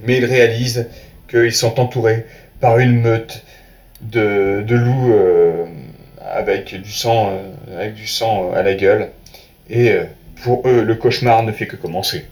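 A man hosting a casual spoken review, talking straight to the listener in a relaxed, halting way with lots of fillers and restarts. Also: on the low side. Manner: hesitant, many fillers and restarts; informal, talks directly to the listener. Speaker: host reviewing a film's box art. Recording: echoey room with faint music.

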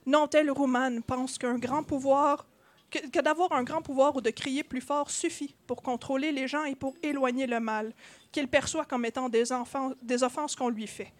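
A woman with a Québécois accent voicing a gentle, wise old male wizard speaking softly and earnestly. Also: high-pitched, steady tone, moderate pace, close to an everyday voice. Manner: soft, earnest, heartfelt.

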